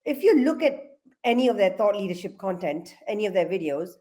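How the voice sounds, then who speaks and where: An English woman from London, a guest in an interview, explaining things in a measured way. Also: medium pitch, very animated, warm tone. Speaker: agency guest. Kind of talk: interview answers.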